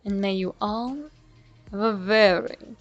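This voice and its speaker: A woman reading a classic horror tale aloud in a slow, measured, darkly dramatic way. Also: medium pitch, fairly even intonation, dull audio. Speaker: horror story narrator. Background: faint music.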